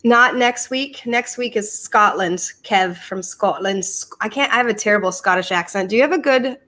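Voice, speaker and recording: A woman's voice: mid-range voice, moderate pace. Chatty American mother hosting a podcast. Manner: warm, motherly, repeats words when starting a thought. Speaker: podcast host. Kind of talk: casual live-stream chat.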